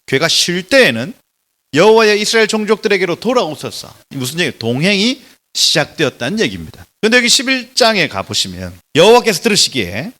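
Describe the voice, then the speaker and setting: A man preaching a lecture-style sermon in a church, emphatic and animated, swinging between loud exclamations and soft drops. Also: sits high, fairly quick. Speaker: pastor giving a Bible lecture.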